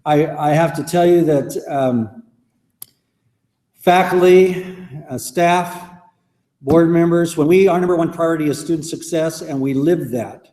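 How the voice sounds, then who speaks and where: College president guy giving a speech, kinda high but mellow voice, earnest, big hall echo. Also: measured pace, long pauses. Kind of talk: formal public address. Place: large civic hall. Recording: hall with long reverb.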